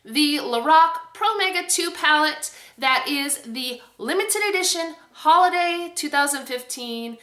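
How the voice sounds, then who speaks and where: Female beauty vlogger, bright and emphatic, chatty review delivery in an echoey room. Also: sits high, animated, measured pace, hardly any pauses. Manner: enthusiastic, emphatic. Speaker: beauty video host. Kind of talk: casual product review to camera.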